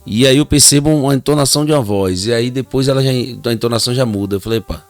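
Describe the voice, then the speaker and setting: A man hosts a podcast interview at a mid pitch, chatting and making jokes. His voice is recorded dry and close. Soft music plays in the background. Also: fast talker, dry recording. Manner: joking, chatty, laughs often. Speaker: podcast host. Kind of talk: casual interview.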